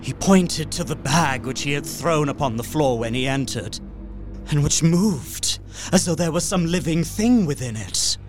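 A man's voice: fairly high pitch, expressive, unhurried, faint music behind. An actor playing a horrified young solicitor, narrating his journal in an earnest, formal way for a radio play. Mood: aghast. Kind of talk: dramatic first-person narration, radio play.

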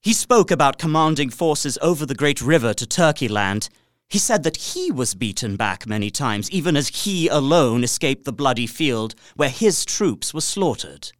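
A man's voice: mid-range voice, animated, moderate pace, no echo, clean studio sound, close to an everyday voice. An actor playing an uneasy young solicitor, narrating his journal formally and dramatically in an audio drama. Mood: wary, anxious.

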